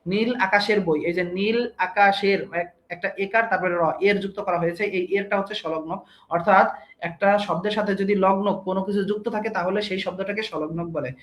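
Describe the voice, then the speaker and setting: High-voiced young male teacher, echoey room. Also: fairly even intonation, a little fast. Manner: explains step by step, asks students questions. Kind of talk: online grammar class.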